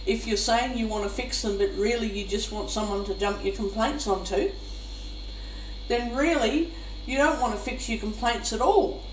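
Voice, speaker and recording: Woman, higher-pitched, exasperated casual venting while eating; distant, slightly noisy recording. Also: normal speed. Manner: talking while eating, mouth sometimes full; exasperated, complaining. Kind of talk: venting monologue, casual spoken vlog. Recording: roomy, noisy, far from the mic.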